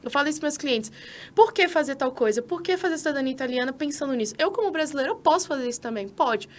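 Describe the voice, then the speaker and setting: A woman's voice: high voice, lively intonation, quick pace. A Brazilian woman with a Brazilian Portuguese accent, speaking as a podcast co-host and citizenship consultant in casual, persuasive talk that addresses listeners directly.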